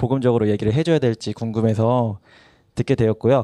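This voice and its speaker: A man speaks at a medium pitch in a dark, mellow tone with fairly even intonation. The sound is dry and close with no echo, in a very clean recording with a silent background. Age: 20s. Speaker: university student. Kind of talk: testimony.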